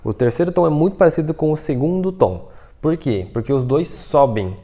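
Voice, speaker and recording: A male Mandarin teacher with a fairly high, expressive, mellow voice walks through pronunciation at a moderate pace. The video lesson is casual, and he keeps checking in patiently with "tá?" and "né?".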